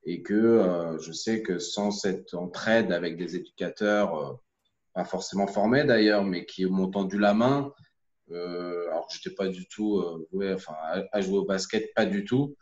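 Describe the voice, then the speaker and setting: A man from the Paris region, an amateur basketball coach, thinks aloud in a hesitant, reflective way, full of pauses and fillers. His voice sits low. The call audio is roomy and muffled. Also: darkish tone. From Paris region, France.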